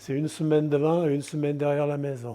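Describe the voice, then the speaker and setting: At a very fast pace, a man speaks in a dark, mellow tone with fairly high pitch and monotone, flat intonation. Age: 80s+. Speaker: family caregiver, retired butcher. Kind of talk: interview testimony; casual chat while cooking. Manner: hesitant, with fillers.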